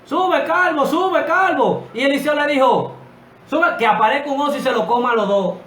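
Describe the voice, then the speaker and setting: A man's voice: extremely high pitch, quick pace, fairly bright tone. A man preaching with fervent, emphatic delivery on a Christian podcast. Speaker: co-host. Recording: echoey room with faint noise.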